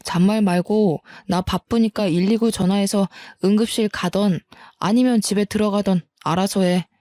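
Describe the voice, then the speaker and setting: A woman's voice: mid-range voice, steady tone, moderate pace, warm tone, no room sound, natural voice. A woman doing a scornful cold husband. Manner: curt, scornful. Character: irritated cold young husband on the phone.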